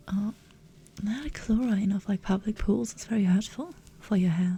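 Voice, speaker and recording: Soft-spoken, this voice carries a calm tone at a moderate pace. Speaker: VTuber streamer. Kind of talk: casual ASMR stream chat. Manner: soft-spoken, calm.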